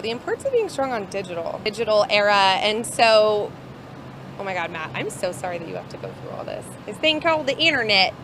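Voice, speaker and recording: Flustered female reporter, bright tone, faint outdoor noise. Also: fairly high pitch. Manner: flustered, giggly, self-mocking. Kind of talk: recording an outtake-filled intro.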